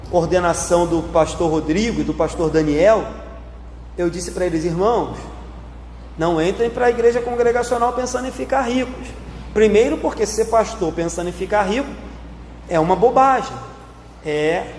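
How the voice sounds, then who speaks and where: A man, a pastor, giving an emphatic sermon, slowing down on repeated phrases for emphasis. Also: high voice, a little mellow. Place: church sanctuary. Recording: echoey church hall, faint background noise.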